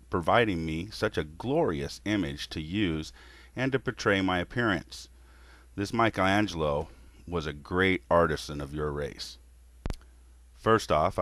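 A man voicing a weary creator god in a scripted monologue, lecturing humanity in a scornful, measured way. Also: deep voice, dry recording.

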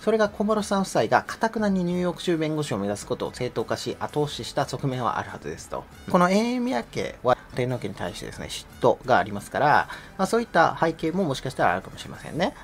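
A man's voice: on the high side, wildly swooping pitch, fast, hardly any pauses. A middle-aged man giving sarcastic, mocking commentary in a casual, conversational way.

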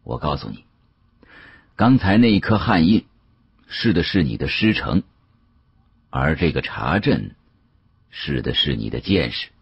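A man voicing a very deep, shrewd bureau chief. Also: big pitch swings, breathy edge, no room sound, highs cut off, exaggerated voice. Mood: amused, approving. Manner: unhurried, teasing, authoritative. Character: shrewd senior male bureau chief, genial, testing, commanding.

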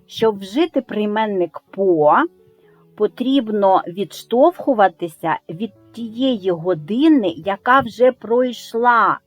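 Woman language teacher talking real slow, patient, spells out the key words, faint music behind. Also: mid-range voice, animated, dry recording. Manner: patient, stresses words slowly and carefully. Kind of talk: slow, clear lesson explanation.

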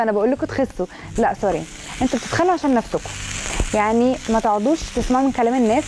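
A woman's voice: on the high side, warm tone, a little hiss or hum. A woman with an Egyptian Arabic accent, a food blogger giving chatty cooking and health advice in a kitchen, rattling along and stacking up intensifiers.

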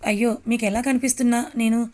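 A woman voicing a young male office worker who keeps calling a stranger and talks smoothly and persistently. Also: on the high side, fairly even intonation, fast talker, darkish tone, natural voice.

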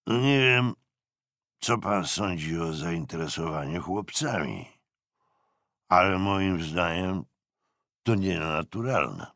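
A man voicing a tipsy veteran navy lieutenant in an audiobook, gossipy and cautious, rambling hesitantly in a gravelly voice. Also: sits low, sing-song, slow pace, pauses often, a bit bright, dry recording, studio quality, full character voice. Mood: bolder, confiding. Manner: hesitant, rambling, with trailing interjections.

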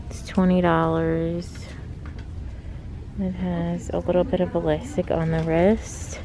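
A woman giving casual, chatty shop-with-me commentary, thinking aloud as a vlogger inside a store. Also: lowish voice. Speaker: shopping vlogger. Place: inside a large retail clothing store. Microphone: handheld camera mic, speaker behind camera. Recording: faint background noise, store ambience.

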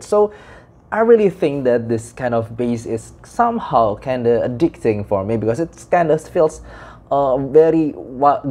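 Male reviewer, young adult, average pitch, casual and halting with emphasis on key words. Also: mellow. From Indonesia. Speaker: audio gear reviewer. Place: small indoor room.

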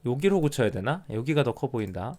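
A middle-aged man commentating live on an online Go game. He mutters counts of territory quietly, then breaks out in lively surprised remarks. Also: medium pitch, brisk. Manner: counts territory under his breath, then exclaims at turns.

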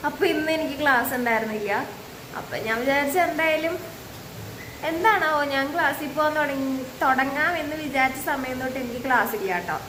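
High-voiced young Keralan woman vlogging at home. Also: fairly quick, background noise. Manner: chatty, sing-song baby talk with her toddler. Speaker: vlogger and mother. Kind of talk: casual home vlog chat. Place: home on a rainy day. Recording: home recording with faint rain ambience.

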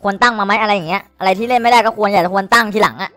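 A man giving excited, crude commentary while streaming a slot game, cursing and pleading at the screen. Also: sits high, very fast, dry recording, soft background music.

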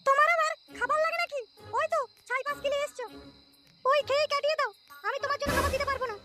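A middle-aged cartoon wife with a piercingly high voice. She nags and snaps with a sharp tongue. Clear music sits behind her comic scolding. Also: steady tone, racing. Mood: sarcastic scolding. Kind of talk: cartoon comedy dialogue.

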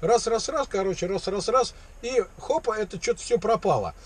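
High-pitched, husky, animated man. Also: normal speed. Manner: rambling, mock-naive, slangy. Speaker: prankster taking a sales call. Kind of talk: casual colloquial phone chat. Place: inside a parked vehicle cab.

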